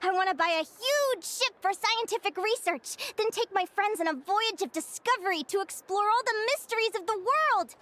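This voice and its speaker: A woman's voice: very high voice, animated, moderate pace, hardly any pauses, a bit bright. A woman voicing a young female bird fae in a video game, curious, bookish and cheerful, speaking in an articulate, eager and often wistful way.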